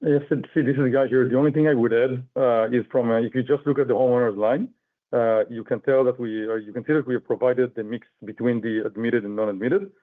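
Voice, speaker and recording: A man's voice: mid-range voice, brisk. A man speaking as a company executive, giving unscripted answers on an earnings call. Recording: narrow phone-like conference call line.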